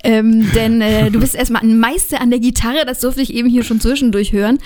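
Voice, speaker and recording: A woman hosts a radio interview with an easy, chatty manner. Her voice is mellow and warm, and her sentences are loose and full of fillers. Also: on the high side, fairly even intonation, a little fast. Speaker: radio host.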